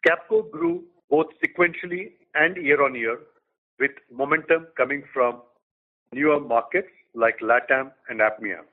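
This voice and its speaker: Company CEO, medium-pitched man, reads quarterly results in a measured way over a phone-quality line. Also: big pitch swings. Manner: measured, reads figures in short phrases. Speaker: company chief executive. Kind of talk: prepared business update.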